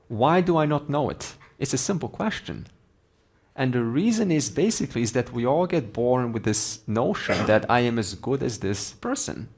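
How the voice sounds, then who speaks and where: A man giving a slow, deliberate spiritual lecture, explaining ideas with Sanskrit terms. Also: on the low side, gravelly, darkish tone. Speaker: Vedanta teacher.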